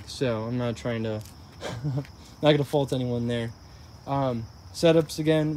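A man's voice: medium pitch, mellow, slight background noise. Rambling man demoing tools outdoors. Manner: rambling, self-correcting, filler-heavy. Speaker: tool reviewer. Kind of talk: casual product demo vlog. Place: outdoor garden walkway by a tree. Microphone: body-worn camera, first-person view.

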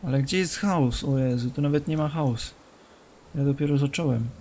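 A man's voice: mid-range voice, normal speed, a little mellow, slight background noise. A young man commentating a horror game as a streamer, joking, talking to the game's characters and dropping English phrases. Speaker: gaming streamer.

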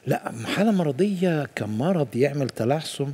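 A man's voice: on the high side, lively intonation, moderate pace, mellow, breathy edge. A middle-aged man with an Egyptian Arabic accent, a pediatrician explaining things at length in a TV interview, often repeating words as he restarts. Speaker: pediatrician guest.

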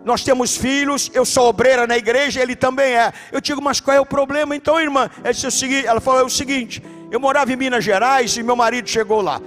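Brazilian male pastor, very high voice, lively sermon with shouted emphasis, faint music under it. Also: fast, few pauses. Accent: Brazilian Portuguese. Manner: animated preaching, shouts for emphasis. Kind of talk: sermon with storytelling. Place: church.

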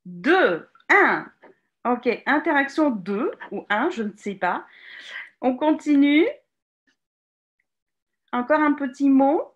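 A woman from Ukraine leads a teacher-training session over a video call, her voice sitting a little high. She talks in a lively, encouraging way, stopping often to search for words with filler sounds, and praises participants as they answer. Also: takes it slowly, long pauses, dull audio. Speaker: teacher trainer giving a webinar talk. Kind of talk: live online workshop presentation. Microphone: computer mic on a video call.

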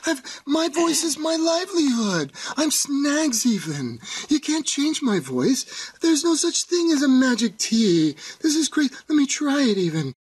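A performer voicing an indignant, theatrical cartoon big cat with a husky, creaky voice and fussy, dramatic exclamations. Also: high-pitched, sing-song, unhurried, few pauses, no room sound, poor audio.

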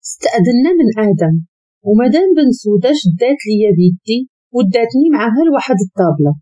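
A woman with a Moroccan Arabic accent telling a first-person story as narrator, voicing the quoted lines higher. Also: animated, fast, mellow, breathy edge.

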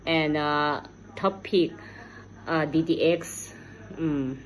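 Slow, halting Thai-accented woman. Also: deep voice, fairly even intonation, low-quality recording. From Thailand. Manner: hesitant, halting, searching for words in learner English. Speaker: English learner making a video message. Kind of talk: unscripted spoken video message. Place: room at home, indoors. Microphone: phone at arm's length.

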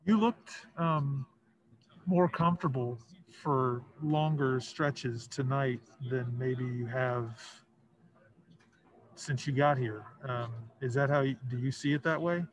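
A man, a sports reporter, asking slow, hesitant questions with many fillers at a press conference. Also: mid-range voice, slight background noise, rough recording.

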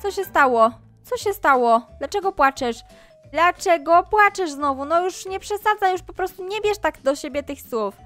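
A woman's voice: very high-pitched, expressive, normal speed, a bit bright, soft background music. A woman commenting on a game as she role-plays a mom scolding her kids, with asides to viewers. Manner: addresses viewers directly. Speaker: Roblox gaming YouTuber playing a mom. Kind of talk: roleplay gameplay commentary.

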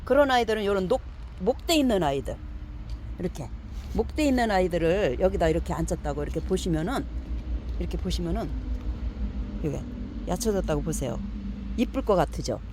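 A woman who sells succulent pots chats casually while showing and measuring them for viewers, coaxing and repeating herself in this product showcase. Her voice is on the low side and a little mellow, with slight background noise.

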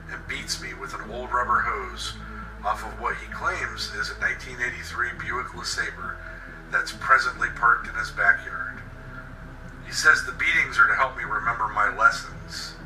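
A man acting a bitter captive, sharp-edged and echoing. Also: mid-range voice, distant mic. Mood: bitter, brooding. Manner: brooding, sardonic first-person confession. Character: bitter, vengeful male captive with anger issues. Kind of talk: dramatic horror monologue reading. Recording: roomy echo, set back from mic. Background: music.

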